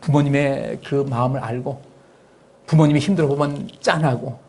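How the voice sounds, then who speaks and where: A middle-aged male pastor delivering a sermon. His voice is slightly husky and sits at an ordinary pitch. He drops to soft asides, then jumps up high and loud, and coaxes gently when he voices a parent. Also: moderate pace. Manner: animated preaching that swings between soft asides and sudden raised, high outbursts; acts out parents' and children's lines in a gentle coaxing tone.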